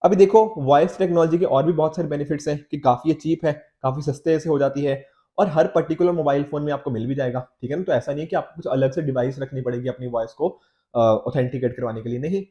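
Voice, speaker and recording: Indian man, mellow voice, slight cold, teacher, conversational explaining, frequent check-in tags. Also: on the high side, quick pace. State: slight cold, sore throat. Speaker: teacher, exam coach. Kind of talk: explanatory lecture on newspaper editorials, Hindi mixed with English.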